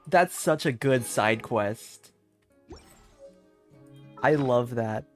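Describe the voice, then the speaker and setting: A man doing live game-stream commentary, excitable and chatty with viewers, sometimes reading dialogue aloud. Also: medium pitch, very slow, soft background music.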